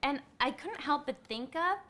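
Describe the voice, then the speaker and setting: Woman teacher, bright and crisp, clear expressive delivery for a class read-aloud. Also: high voice, moderate pace.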